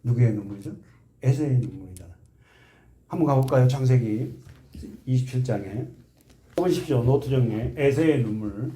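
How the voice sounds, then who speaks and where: A man's voice: moderate pace, pauses often. A man preaching a sermon as pastor, emphatic and full of questions to the congregation, with folksy asides and led group readings. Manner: emphatic, swings between soft low asides and loud impassioned appeals. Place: church sanctuary.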